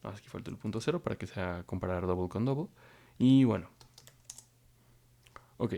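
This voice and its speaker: A man's voice: fairly low pitch, moderate pace, gravelly, mellow. A man teaching programming, walking through code step by step and thinking aloud as he goes. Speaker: programming instructor. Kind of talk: screen-recorded coding tutorial.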